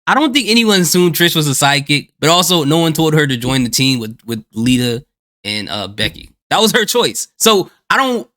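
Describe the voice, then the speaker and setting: A man with a bright, somewhat high voice gives casual reaction commentary. He chats loosely and stammers through restarts as he sorts out his thoughts. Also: brisk. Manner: relaxed, chatty, stammering restarts. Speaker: reaction video host.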